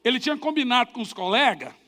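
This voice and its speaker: A man's voice: very high voice, big pitch swings, quick pace, pushed and bright. A male pastor preaching a sermon, telling humorous anecdotes with emphasis. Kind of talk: storytelling sermon.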